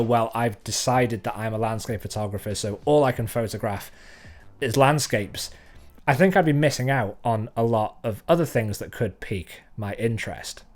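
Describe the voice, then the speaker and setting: A man from North Wales, a photographer talking to his viewers in a thoughtful, conversational way. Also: mid-range voice. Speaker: photographer and channel host. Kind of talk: reflective talk to camera.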